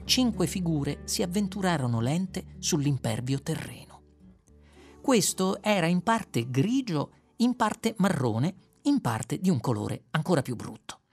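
Male narrator, scripted audiobook reading, expressive and varied pace. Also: fairly high pitch, measured pace, soft background music.

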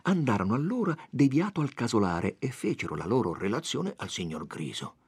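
A man reads a classic novel aloud with a husky, slightly breathy voice. His delivery is dramatic and lively, his pitch rising and falling freely. The recording is dry and close. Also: brisk, no echo. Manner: expressive, raises pitch for quoted characters. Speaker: audiobook reader. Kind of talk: dramatic literary reading.

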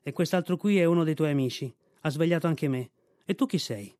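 A man voicing a gruff, bossy old army mule who scolds bluntly and briskly in a storybook reading. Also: fairly high pitch, a little mellow, no echo, clean studio sound, close to an everyday voice.

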